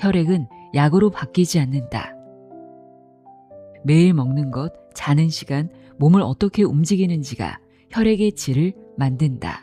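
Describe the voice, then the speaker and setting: Over music in the background, a woman with a very deep, low pitch speaks at a fairly slow pace with lively intonation and long, frequent pauses. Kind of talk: audiobook reading of a health book.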